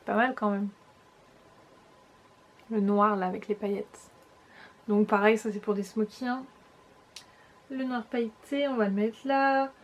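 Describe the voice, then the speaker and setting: A woman's voice: mid-range voice, steady tone, a little slow, pauses often. A young woman vlogger chatting casually through a makeup haul, talking straight to her viewers with frequent small restarts. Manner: chatty, hesitant restarts, addresses viewers directly. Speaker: beauty vlogger.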